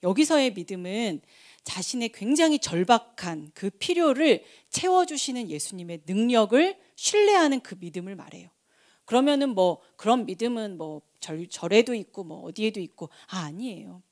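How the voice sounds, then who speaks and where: A woman preaching a sermon, telling a Bible story with lively acted-out shouts and quoted dialogue. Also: mid-range voice, moderate pace.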